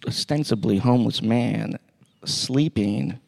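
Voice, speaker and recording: An American man with a gravelly voice, chatting casually as a podcast guest. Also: medium pitch, slow pace, darkish tone. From Minneapolis, United States. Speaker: podcast guest and video editor. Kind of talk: casual chat. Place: podcast studio.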